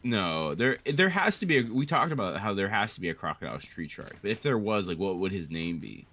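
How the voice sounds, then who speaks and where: A man's voice: on the low side, big pitch swings, brisk, bright, forceful tone. A man co-hosting a let's-play, chatting casually with a friend in a rambling, sweary way. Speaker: co-host of a let's-play show. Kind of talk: casual gaming banter between friends.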